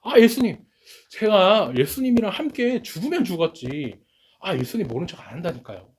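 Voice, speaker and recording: A man's voice: very high voice, big pitch swings, fairly quick, slight background noise, voice pushed up, full character voice. A man voicing an earnest, boastful male disciple who insists he will never betray his master, during a sermon. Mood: insistent.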